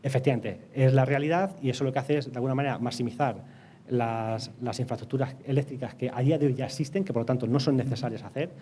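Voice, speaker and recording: A man's voice: mid-range voice, steady tone, fast, warm tone, slight background noise. A man with a Castilian Spanish accent giving explanatory interview answers, hesitating and repeating words as he goes. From Castilla-La Mancha, Spain. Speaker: interview guest, energy company project director.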